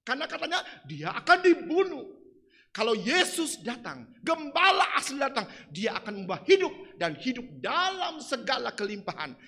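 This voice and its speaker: A man preaching a sermon in a church, swinging from soft asides to shouted lines. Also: very high-pitched, sing-song, moderate pace.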